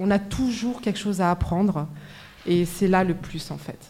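A woman speaks with an unremarkable speaking voice at medium pitch. Her pace is moderate and her intonation fairly even. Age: middle-aged. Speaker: job seeker in training. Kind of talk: testimony.

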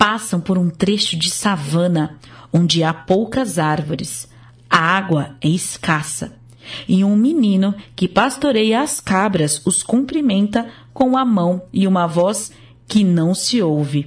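Speaking very slowly, a woman with a medium-pitched, somewhat breathy voice uses lively intonation. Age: 30s. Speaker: radio host and storyteller. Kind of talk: storytelling on children's radio. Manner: animated.

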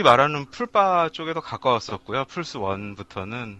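A man's very slow, calm delivery with lively intonation and a bright, sharp tone. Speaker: gamer. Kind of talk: interview.

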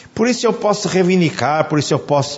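Noticeable background noise sits behind this recording. A man delivers his words fairly quickly, his intonation lively. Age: 70s. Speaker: pastor. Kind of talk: sermon.

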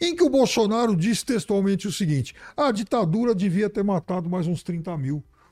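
A man speaks at a high pitch. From Brazil, interior of São Paulo state (Araçatuba). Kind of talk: casual chat.

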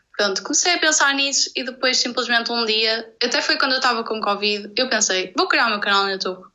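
In an ordinary speaking voice, the speaker moves at a fairly quick pace with lively intonation and hardly any pauses. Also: woman, fairly high pitch for a woman. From Portugal, Porto. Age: young. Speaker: YouTuber. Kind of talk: casual chat.

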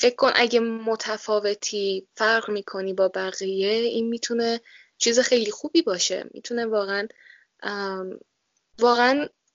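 An ordinary speaking voice from a woman, at a fairly slow pace with fairly even intonation. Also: fairly high pitch for a woman. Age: 20s. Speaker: podcast guest. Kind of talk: casual chat. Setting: Skype call. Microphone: internet call audio, may be poor.

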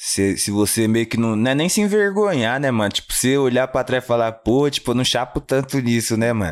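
A man's plain, everyday voice at medium pitch, fairly quick with hardly any pauses, lively in intonation and very even in loudness, on a very clean recording with a silent background. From Brazil, São Paulo area (Guarulhos). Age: 20s. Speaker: rapper. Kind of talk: casual chat.

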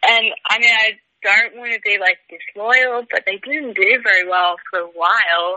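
A woman with an American accent, fairly high in pitch with ordinary variation, at a moderate pace. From Melbourne, Australia. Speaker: junior tennis player and charity ambassador. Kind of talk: casual interview. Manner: hesitant, many fillers.

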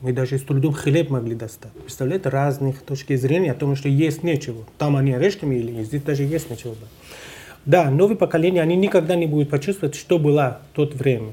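Talking at a fairly quick pace in a Persian accent, a man has a fairly high pitch, a dark, mellow tone, a somewhat breathy quality and ordinary pitch variation. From Iran. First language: Persian (speaking Russian). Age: 50s. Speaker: pharmacist and importer. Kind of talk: interview. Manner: halting.

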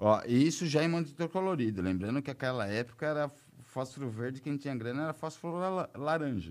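A man with a normal speaking voice, fairly high in pitch, at a fairly quick pace with lively intonation, on a very clean recording with a silent background. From Brazil. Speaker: engineer. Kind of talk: casual chat.

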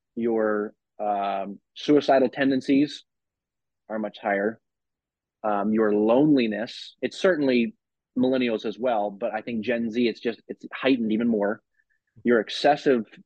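Using a normal speaking voice, a man with an American accent talks at a moderate pace and medium pitch with fairly even intonation. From Maine, US. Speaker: evangelist. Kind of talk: casual interview.

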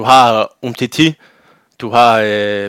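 Dry and close with no echo, a man's medium-pitched voice holds fairly even intonation. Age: 20s. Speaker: podcast host, journalism student. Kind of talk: casual chat. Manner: halting.

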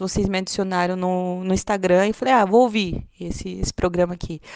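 This woman has a normal speaking voice, medium in pitch, and talks at a moderate pace. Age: 30s. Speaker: listener sending a message. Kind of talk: recorded listener voice message.

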